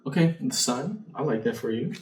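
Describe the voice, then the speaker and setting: Heard through a distant mic with faint background noise, a tarot reader and channel host offers a reflective, conversational fortune-telling card reading. He speaks straight to the listener and poses rhetorical questions. His medium-pitched voice has a darkish tone and a moderate pace.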